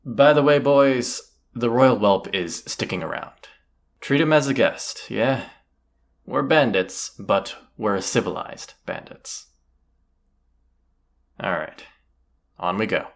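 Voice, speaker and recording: A man's voice: fairly low pitch, animated, slow pace, creaky, pauses often, heavily acted. A man playing a cocky, teasing, commanding bandit leader in a roleplay audio drama, casual and swaggering. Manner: casual, teasing, swaggering, rhetorical tag questions.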